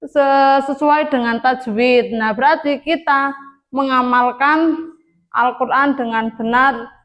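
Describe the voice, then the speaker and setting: A woman's voice: high-pitched, steady tone, takes it slowly, fairly bright tone, dull audio. A young woman teaching a primary class in a classroom, speaking with an Indonesian accent and coaxing her pupils with questions.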